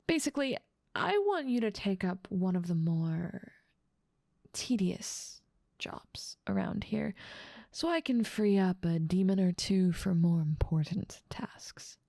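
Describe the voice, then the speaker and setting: In a scripted ASMR roleplay, a woman plays a haughty, dominant female demon lord who rules part of hell, mocking and teasing the listener with theatrical amusement. Her medium-pitched voice is animated yet slow, creaky, dark-toned and exaggerated. The recording is dry and studio quality.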